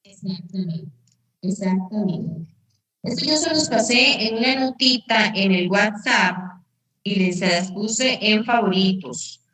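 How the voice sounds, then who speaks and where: A woman's voice: medium pitch, takes it slowly, fairly bright tone. A female English teacher, patiently explaining a lesson and quizzing her class. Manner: patient, repeats and asks the class questions. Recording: echoey room, distant mic.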